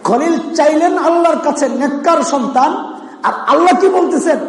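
A man preaching a sermon, sighing with feeling and chanting verses slowly. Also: very high voice. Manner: emotional, sighing exclamations, sings verses slowly. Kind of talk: Bengali sermon with chanted Quranic recitation. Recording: echoey hall, faint ambience.

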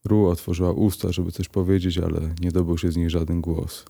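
A man narrating a crime story aloud in a calm, even reading voice. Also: sits low, brisk, gravelly, husky. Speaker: audiobook narrator.

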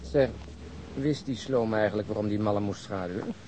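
An actor playing a grumbling, sardonic married police detective in a naturalistic radio drama, gruff and contrary in manner. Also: male voice, on the low side, normal speed, darkish tone, a little hiss or hum, natural voice, poor audio.

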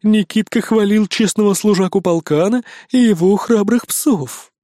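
A man's voice: high-pitched, normal speed, dark tone, no echo, clean studio sound, voice pushed up, close to an everyday voice. A man voicing a sly, cowardly one-eyed tomcat who sells secrets, talking in a wheedling, evasive way.

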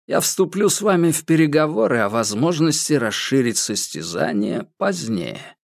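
A man's voice: on the high side, big pitch swings, moderate pace, gravelly, no room sound, clean studio sound, voice pushed up. Man doing a cold, curt rich man. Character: cold, impatient rich middle-aged man.

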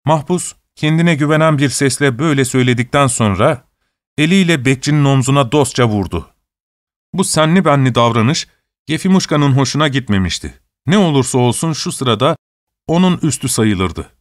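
A man narrates a story in a steady, measured audiobook reading. His pitch sits in the middle range, and the recording is close and dry, with no room sound. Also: no echo.

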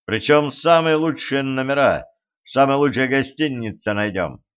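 A man's voice: mid-range voice, moderate pace, clean tone, close to an everyday voice. A man voicing a cocky, sarcastic young male trainee who talks with confidence, in a slightly muffled audiobook recording. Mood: confident. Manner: confident, mocking.

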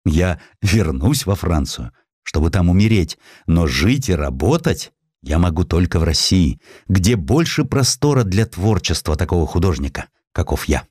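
A man's voice: deep voice, big pitch swings, normal speed, darkish tone, husky, no echo, studio quality, full character voice. A man voicing a proud, stern master perfumer who speaks in a grand, declamatory way. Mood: solemn.

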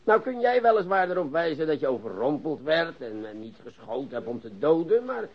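A dull lo-fi radio drama recording of a male police interrogator. His highish, husky voice swoops through mock courtesy and drawn-out emphasis, sarcastic and relentless. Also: sing-song. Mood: stern, condescending. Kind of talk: radio play acting.

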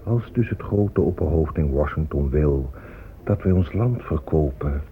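An actor playing a dignified, sorrowful Native American elder in a solemn radio drama oration. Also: male voice, rumbling low, lively intonation, measured pace, slight background noise. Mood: measured dignity. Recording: muffled phone-like old radio recording. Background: music.

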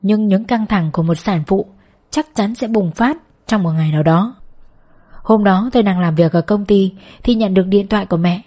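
A woman reading a story aloud in an even, measured narration. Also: mid-range voice. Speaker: audiobook narrator.

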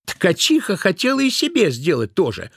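A man's voice: high voice, wildly swooping pitch, normal speed, creaky, breathy edge, dry recording, studio quality, heavily acted. A man reading scripted literary narration as the narrator of an audio play. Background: music.

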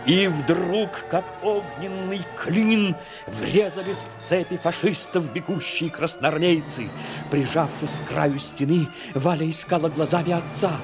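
Guy narrating an audio drama, kinda high voice, loud music under him. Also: a little slow. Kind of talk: dramatic scripted literary narration.

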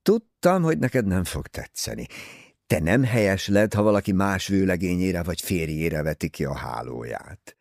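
A man voicing a teasing, easygoing young English gentleman talking with his mother in an audiobook. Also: low-pitched, sing-song, vocal fry, no room sound, clean studio sound, full character voice. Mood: wry teasing. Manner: wry, teasing.

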